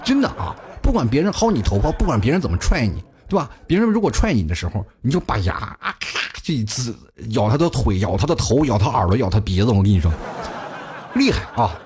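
A man's voice: medium pitch, sing-song, fast, darkish tone, a little hiss or hum. A man telling funny stories in a chatty comic monologue as a talk show host, often laughing at his own jokes.

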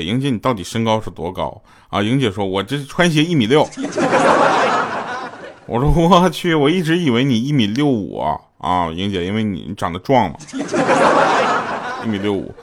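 A man, casually telling jokes and funny stories to his audience, laughing often and acting out dialogue in raised voices. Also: on the low side. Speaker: livestream host telling jokes. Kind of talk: casual comic storytelling. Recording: loud background noise with clicks.

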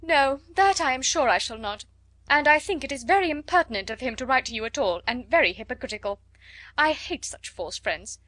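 A woman voicing a fussy, easily flustered middle-aged mother who exclaims and frets loudly in an audiobook. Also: high-pitched, animated, a little fast, no echo. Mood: fretful excited. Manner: loud, exclaiming, fretful. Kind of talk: audiobook character voice.

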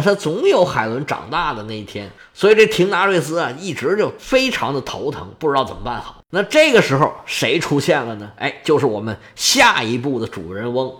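A man narrates a story casually, as if chatting with friends. His voice sits slightly high and jumps around animatedly in pitch. He drags out little particles between phrases. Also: fairly bright tone.

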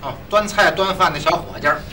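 A man's voice: high-pitched, brisk, bright, forceful tone, far from the mic. A man, backing up a crosstalk routine with short prompting interjections. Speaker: supporting crosstalk partner. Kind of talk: comic crosstalk back-up. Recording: slightly off-mic, faint hiss.

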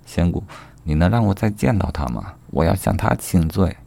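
A man's voice: sits low, expressive, normal speed, creaky, mellow, heavily acted. A man voicing a bashful young scholar who hesitates and stammers. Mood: remorseful.

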